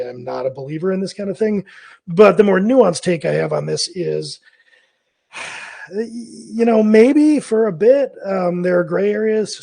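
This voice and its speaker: A man hosting a freelance business advice video, his voice hoarse and scratchy as he recovers from laryngitis. He rambles and thinks aloud, correcting himself as he goes. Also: a little high, a little mellow. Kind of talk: casual advice monologue.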